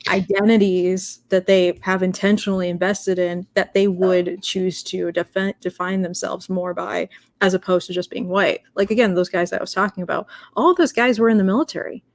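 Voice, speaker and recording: A woman's voice: mid-range voice, little pitch movement, normal speed. A young woman in casual discussion, talking in a rambling way with many fillers and restarts.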